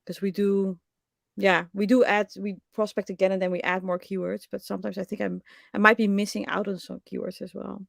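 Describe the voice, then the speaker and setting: Female guest, raspy, gravelly fry, dry close sound, frank and eager. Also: mid-range voice, little pitch movement, brisk, no room sound. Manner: enthusiastic, frank, with fillers. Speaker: podcast guest. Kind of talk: casual interview chat.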